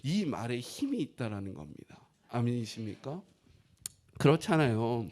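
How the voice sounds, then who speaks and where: A man's voice: medium pitch, normal speed. A man in his thirties from Korea preaching a sermon as pastor, acting out his own thoughts in quoted asides. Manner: animated, acts out inner thoughts in quotes.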